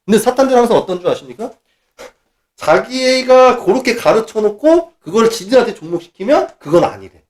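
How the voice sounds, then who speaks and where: A middle-aged man preaching a sermon, animated, acting out mocking quoted voices. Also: sits high, fairly quick.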